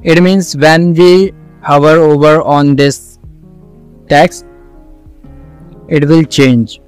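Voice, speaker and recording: Slow, clear South Asian man teaching. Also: a little high, fairly even intonation, a little mellow, faint music behind. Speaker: coding tutorial instructor. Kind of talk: screen-recorded tutorial, explaining step by step.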